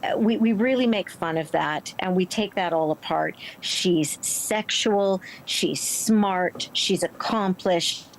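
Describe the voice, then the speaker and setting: A middle-aged woman, an actor, answering interview questions in an expressive, emphatic conversational way. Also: lowish voice, slow pace, hardly any pauses, slight background noise, poor audio. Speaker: stage and film actor, interview guest.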